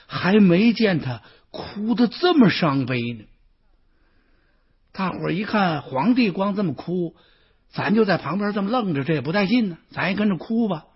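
A male storyteller, telling a historical tale in a lively, colloquial way full of exclamations, with a husky voice. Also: a little high, highs cut off. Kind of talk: traditional Chinese storytelling.

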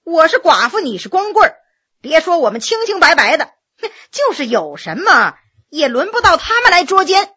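Storybook role: a defiant widow who scolds her accusers with scorn, put on by a woman. The voice is high and bright. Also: sing-song, normal speed, full character voice. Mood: defiant scolding. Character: bold sharp-tongued widowed woman.

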